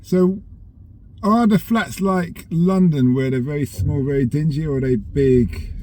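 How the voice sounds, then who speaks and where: Curious taxi driver asking questions. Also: male voice, on the high side, measured pace, warm tone. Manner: curious, brief prompting questions. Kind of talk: casual questions from the driver's seat. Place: inside a car. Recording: car noise. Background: car engine and road noise.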